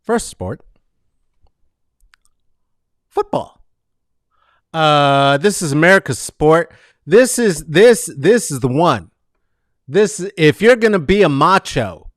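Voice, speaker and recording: A man hosting his own web show, giving a theatrical comedic monologue into a close studio mic, swinging from soft asides to loud sing-song bursts. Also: fairly high pitch, dry recording. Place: home studio with posters and guitar. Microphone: large studio mic on stand, close.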